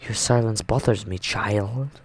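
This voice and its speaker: Man playing a possessive, sinister mother, slow and low. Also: husky. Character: possessive, mocking, sinister mother figure, a grown woman. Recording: music behind the voice.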